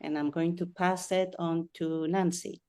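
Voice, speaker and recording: A woman's voice: on the low side, little pitch movement, measured pace, warm tone, clean tone. A woman from Spain, speaking reflectively and unhurriedly on a video call. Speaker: participant.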